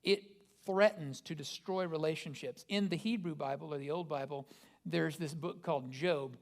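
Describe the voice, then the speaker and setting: A man's voice: a little high, moderate pace. Man preaching a casual, chatty sermon. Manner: casual, asks the listeners rhetorical questions. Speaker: pastor. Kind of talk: conversational sermon.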